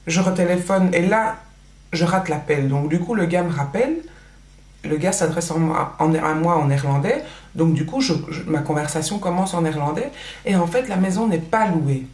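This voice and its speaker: A woman's voice: on the low side, animated, moderate pace, a little mellow. Chatty Belgian woman in an echoey room. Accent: Belgian French. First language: Dutch. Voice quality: chatty, many fillers and restarts. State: pregnant. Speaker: vlogger. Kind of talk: casual chat while doing makeup.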